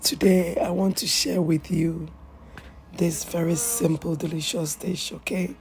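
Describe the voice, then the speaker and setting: A woman hosting a cooking video, chatty and hoarse from a flu, often checking in with "okay?". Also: fairly low pitch, little pitch movement, unhurried, a little mellow. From Ghana. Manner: chatty, repeats phrases, asks "okay?" often. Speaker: cooking channel host. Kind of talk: casual cooking tutorial.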